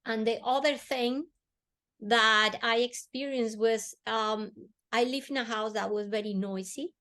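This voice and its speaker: A woman, a guest on an interview show, telling a personal story earnestly and slowing down softly on emotional moments. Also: a little high, steady tone. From Colombia. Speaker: podcast guest.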